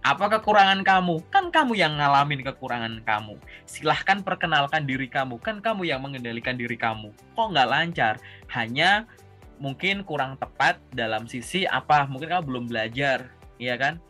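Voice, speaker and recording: A man's voice: medium pitch, lively intonation, normal speed, bright, forceful tone, faint music behind. A young man from Java coaching a job seeker over a video call in casual, conversational talk, often ending points with a tag word and asking if the listener follows. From Java, Indonesia. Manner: conversational, repeats "gitu" and checks understanding with questions. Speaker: career coach.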